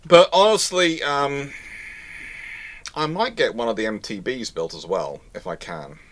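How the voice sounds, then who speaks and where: A man hosting an unscripted live panel discussion, speaking haltingly and rephrasing as he goes. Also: medium pitch, a bit bright. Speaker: host of a live question panel.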